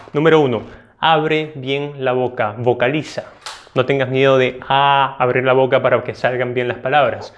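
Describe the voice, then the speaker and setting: A man with a Latin American Spanish accent teaching a test-prep video lesson, explaining clearly and emphatically and checking in with "ok?". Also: mid-range voice.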